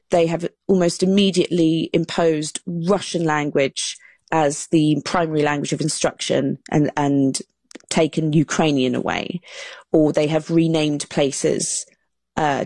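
Woman author on a panel, lowish voice, earnest, explains a lot, dry sound. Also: darkish tone, dry recording. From England. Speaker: author and guest. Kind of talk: radio panel discussion.

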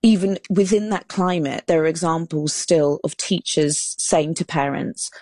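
A woman's voice: sits low, steady tone, a little slow, darkish tone, dry recording. A woman author, a guest on a panel talk, explaining in an earnest way and restarting her phrases now and then. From England. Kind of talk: radio panel discussion.

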